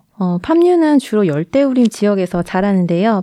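Dry and close with no echo, a woman's voice sits at a fairly high pitch with a dark, mellow tone. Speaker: environmental NGO staff member. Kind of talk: explanatory interview.

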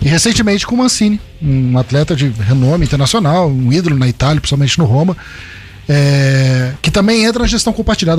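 A man's very fast speech with very wide pitch swings, over noticeable background noise. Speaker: sports radio host. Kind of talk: radio sports talk show. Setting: radio studio.

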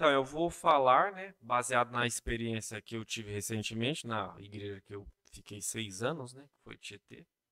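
A man speaks in a bright, sharp tone with ordinary pitch variation and hardly any pauses. The sound is dry and close, with no echo. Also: medium pitch for a man, moderate pace, big swings in loudness. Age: 30s. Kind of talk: casual interview.

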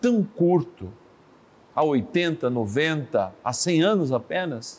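Very wide pitch swings mark the fairly high voice of a man. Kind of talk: sermon.

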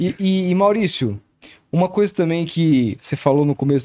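A man speaks in a dark, mellow tone. His pitch variation is ordinary. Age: 30s. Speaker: podcast host. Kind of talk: casual chat. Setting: live stream.

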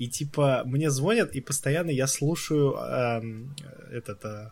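A man's fairly high, somewhat breathy voice on a very clean recording with a silent background. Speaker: podcast co-host. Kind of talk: casual chat.

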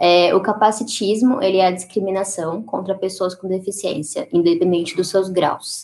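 A woman's plain, everyday voice at medium pitch, with fairly even intonation, a moderate pace and hardly any pauses. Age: 20s. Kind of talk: casual interview.

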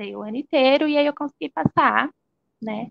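A woman's lively intonation comes through a dry, close sound with no echo. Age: 20s. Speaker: ballet student. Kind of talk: live video interview.

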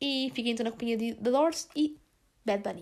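Very wide pitch swings mark this woman's voice. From northern Portugal. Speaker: podcast host. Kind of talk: casual chat. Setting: balcony at home.

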